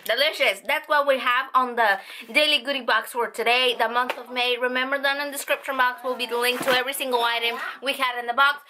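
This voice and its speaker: A woman reviewing products in a chatty vlog, with excited exclamations. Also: high voice, fast. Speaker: unboxing vlogger.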